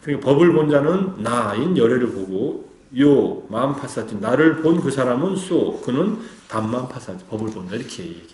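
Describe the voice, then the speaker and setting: A man's voice: mid-range voice, darkish tone. A man as a Buddhist meditation teacher giving a dharma talk, explaining patiently and asking listeners rhetorical questions. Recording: roomy echo.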